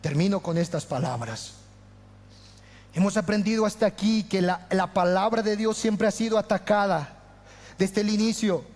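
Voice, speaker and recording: A pastor preaches with fervor, his fairly high voice rising to loud declarations and falling to near-whispers. A long reverb trails each phrase, the sound of a church hall. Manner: impassioned, swinging from loud to hushed. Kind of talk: sermon.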